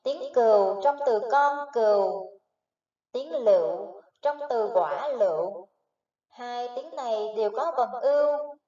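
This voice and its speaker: High-voiced woman teaching slow phonics. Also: expressive, mellow. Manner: spells out sounds syllable by syllable, patient and deliberate. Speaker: primary school teacher. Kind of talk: slow phonics lesson for young children. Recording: echoey, distant, dull recording.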